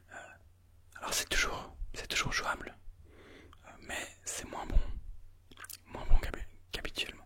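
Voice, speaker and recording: Whispered speech comes at a fairly slow pace, broken by long, frequent pauses, over noticeable background noise. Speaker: ASMR creator. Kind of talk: ASMR chess commentary.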